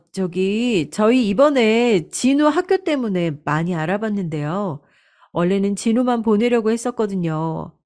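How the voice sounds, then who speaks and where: A woman's voice: mid-range voice, a little mellow, lightly acted. A woman voicing a pushy, scheming daughter-in-law. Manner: persuasive, pushy, sweetly insistent.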